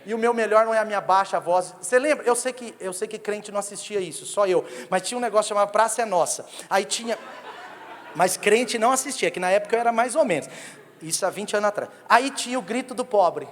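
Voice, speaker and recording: A high-voiced, fast-talking male Brazilian pastor with a Brazilian Portuguese accent delivers a sermon in a church sanctuary. His storytelling is animated and humorous, joking with the congregation, and the recording has the long reverb of a church hall.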